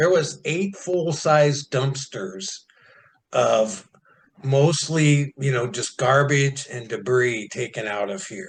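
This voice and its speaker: Speaking at a very slow pace, a man uses lively intonation and a somewhat breathy voice, with big swings in loudness. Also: fairly high pitch for a man. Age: 60s. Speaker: homeowner guest on real estate show. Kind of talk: casual radio interview.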